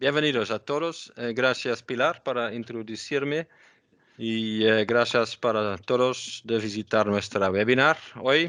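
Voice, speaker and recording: Against a quiet background, a man with a Dutch accent speaks fairly slowly in a bright, sharp, medium-pitched voice with ordinary pitch variation. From Netherlands. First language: Dutch (speaking Spanish). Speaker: product manager. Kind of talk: webinar presentation. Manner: halting.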